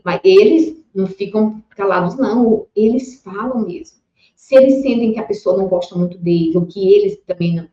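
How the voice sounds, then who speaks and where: A woman from Brazil gives a lively, expressive lecture as a teacher. Her voice sits a little high and sounds mellow. The recording is muffled and roomy. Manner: lively, expressive classroom talk.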